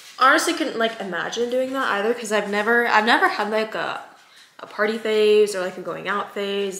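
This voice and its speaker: At a fairly quick pace, a woman with a fairly high pitch speaks in an animated tone with lively intonation, and the room echo is audible. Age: 20s. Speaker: lifestyle vlogger. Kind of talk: casual vlog narration. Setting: outdoors. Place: home room. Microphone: phone near.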